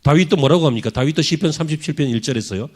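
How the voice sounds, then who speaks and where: A man's voice: a little high, very fast, a little mellow. A man preaching a sermon as a pastor in a church, driving his points home with rhetorical questions to the congregation. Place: church sanctuary.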